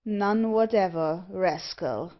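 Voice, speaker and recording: A woman voicing a commanding, menacing male villain who speaks in a slow, imperious way. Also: lowish voice. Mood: stern, menacing. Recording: dull, lo-fi audio.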